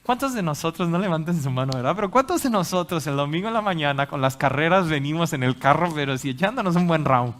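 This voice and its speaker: A preacher delivers a lively sermon in a church before a congregation. The voice sits in a middling pitch, and the delivery is animated, with quoted voices acted out and frequent questions to the listeners. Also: quick pace, hardly any pauses. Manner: animated, acts out quotes, asks the audience questions.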